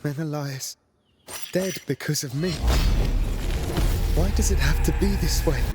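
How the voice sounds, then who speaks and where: A man's voice: a little high, a little slow, heavy background noise, natural voice. An actor playing an earnest young male warrior hero in a video game, with dramatic delivery. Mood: anguished. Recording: loud game music underneath. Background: loud game music.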